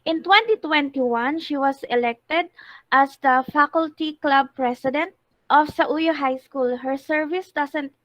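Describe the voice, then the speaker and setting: A woman's voice: high-pitched, unhurried, no echo, lo-fi sound. A woman moderating an international online class, calling on questioners and formally reading out speaker introductions. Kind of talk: formal event hosting.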